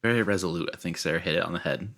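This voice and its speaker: A man co-hosting a podcast in a jokey, animated, casual chatting style. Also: low voice, rapid-fire, gravelly. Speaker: podcast co-host. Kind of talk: casual chat.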